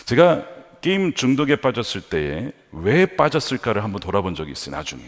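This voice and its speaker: A man's voice: fairly low pitch, sing-song, brisk. A man preaching a sermon as pastor, asking the congregation questions and voicing imagined prayers with rising intensity. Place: church sanctuary. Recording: reverberant church hall.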